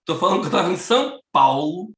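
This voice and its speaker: A male pastor from Rio, preaching in an animated, storytelling way and acting out the dialogue. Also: on the high side, moderate pace. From Nova Iguaçu, Rio de Janeiro. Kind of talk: storytelling sermon. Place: church. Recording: roomy echo.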